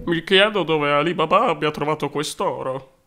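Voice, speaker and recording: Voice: mid-range voice, normal speed, sharp tone. An actor voicing a greedy, scheming brother who makes demands in a cartoon fairy tale. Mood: demanding, suspicious.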